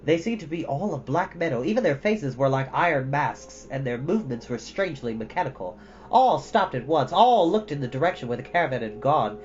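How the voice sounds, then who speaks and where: A man's voice: a little high, very animated, a little fast. A man narrating a storybook expressively as a storyteller. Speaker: storyteller reading a children's novel. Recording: dull lo-fi audio with music. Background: background music.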